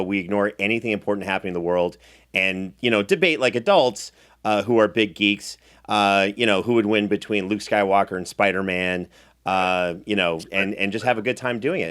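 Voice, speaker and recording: A man's voice: fairly low pitch, fairly bright tone, clean tone. A man hosting a casual recap show, talking in a playful, mock-indignant way. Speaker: podcast host and show producer.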